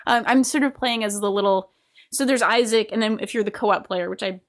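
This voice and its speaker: A woman's voice: medium pitch, a little fast. A woman with a Rhode Island accent, co-hosting a casual podcast chat in a rambling, self-deprecating way and laughing often. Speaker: podcast co-host.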